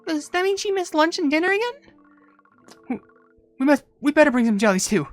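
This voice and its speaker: A woman's voice: high-pitched, big pitch swings, brisk, faint music behind. A woman voicing a small, devoted cookie attendant in a game cutscene, caring, eager and pleading. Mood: concerned. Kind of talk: video game cutscene voice acting.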